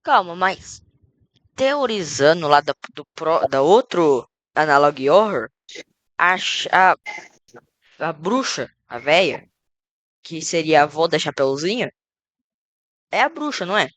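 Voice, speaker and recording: A woman with a Brazilian accent in casual reaction chat, slangy and halting as she thinks aloud. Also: deep voice, lively intonation, a bit bright, dry recording. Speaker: reaction video commentator.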